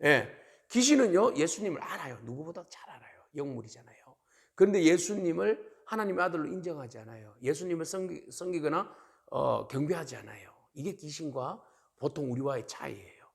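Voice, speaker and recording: A male pastor giving a sermon, telling the story with animated emphasis. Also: a little high, a little fast, vocal fry.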